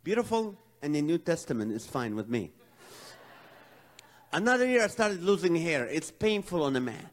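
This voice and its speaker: A middle-aged man doing stand-up comedy, telling self-mocking stories in an animated way. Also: on the high side, normal speed.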